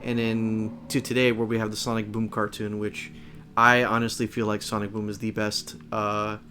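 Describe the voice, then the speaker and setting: A man hosting casual game commentary, speaking haltingly and often repeating words. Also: on the low side, flat delivery, pushed and bright, a little hiss or hum. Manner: halting, repeats words, chuckles through remarks. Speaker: gameplay video host.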